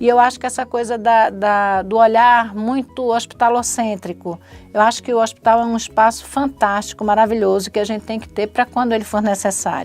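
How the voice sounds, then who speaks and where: Music in the background behind a woman speaking at a fairly high pitch and a moderate pace. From Pernambuco, northeast Brazil. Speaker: pediatrician and public health doctor, medical professor. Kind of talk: interview testimony.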